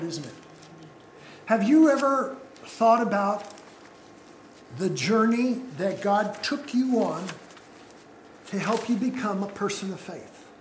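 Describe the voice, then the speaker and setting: A man preaching slowly and deliberately, stopping often to put questions to the people in front of him. His voice rings in an echoey church room, with faint noise underneath. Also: high-pitched. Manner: unhurried, asks the congregation questions. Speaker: pastor. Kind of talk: sermon.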